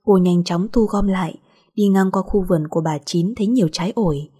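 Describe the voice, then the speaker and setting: A woman reading a short romance story aloud as the narrator, in a steady, even storytelling manner. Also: medium pitch, brisk, breathy edge.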